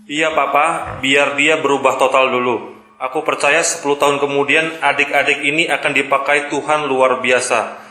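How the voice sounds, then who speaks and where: A man speaking in a steady, earnest way, his words sounding like a message being read. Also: mid-range voice, moderate pace, a little hiss or hum. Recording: echoey hall.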